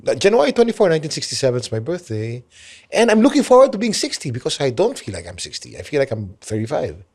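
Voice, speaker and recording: A man's voice: mid-range voice, breathy edge. A man in his late fifties with a Filipino accent, hosting a casual podcast interview and prompting his guest. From Philippines. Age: 50s. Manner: fast, lively, friendly prompting with lots of mm-hmms. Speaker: podcast host.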